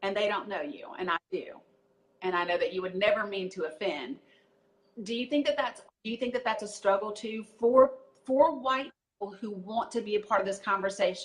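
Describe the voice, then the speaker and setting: Using a normal speaking voice, a woman talks fairly quickly, her pitch varying in an ordinary way. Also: medium pitch for a woman. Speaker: podcast host. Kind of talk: interview question.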